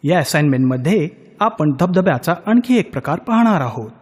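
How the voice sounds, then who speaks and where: A man's voice: on the high side, very animated, normal speed, breathy edge. A man reads a scripted instructional voice-over, guiding listeners step by step. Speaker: e-learning tutorial narrator. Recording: long reverberant hall echo.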